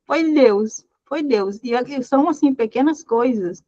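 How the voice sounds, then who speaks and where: A woman's voice: high-pitched, measured pace, mellow, highs cut off. Encouraging woman leading Bible study. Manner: encouraging, repeats phrases, reads scripture aloud. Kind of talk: devotional teaching.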